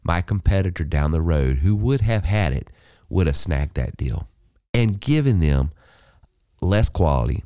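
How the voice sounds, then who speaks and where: Deep-voiced man pitching business advice. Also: mellow, no echo, clean studio sound. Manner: emphatic, persuasive, lists in repeated phrases. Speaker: podcast host. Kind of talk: solo business podcast monologue.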